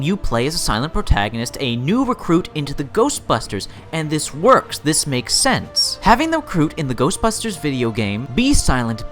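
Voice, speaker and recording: A man's voice: on the high side, fairly bright tone. A man hosting a video essay on games, speaking emphatically and informally, stacking up words and repeating phrases to drive opinions home. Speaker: video host.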